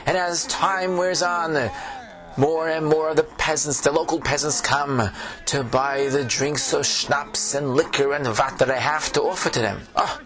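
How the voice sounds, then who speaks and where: A man's voice: fairly high pitch, steady tone, unhurried, fairly bright tone. A man doing a fretful Jewish tavern keeper. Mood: pious. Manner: fretful, pious exclamations.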